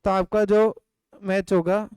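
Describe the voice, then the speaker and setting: A man's voice: high voice, level tone, slow pace, a little mellow, smooth, no echo. A man teaching an economics class, drilling his students with question-and-answer prompts. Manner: drills points with call-and-response. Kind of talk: live class lecture. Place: classroom or home studio.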